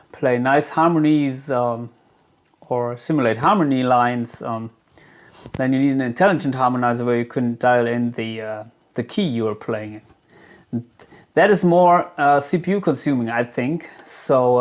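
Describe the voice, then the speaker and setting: A man giving a casual tutorial as a guitar gear demonstrator, speaking in a halting way with many filled pauses. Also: medium pitch.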